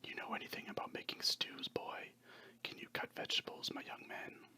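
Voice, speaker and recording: Storyteller doing whispered role-play of a little old hermit guy, muttery and rambly, bright breathy hiss. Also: moderate pace. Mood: chatty, brisk. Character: small, stooped, muttering, chatty old man in a hut.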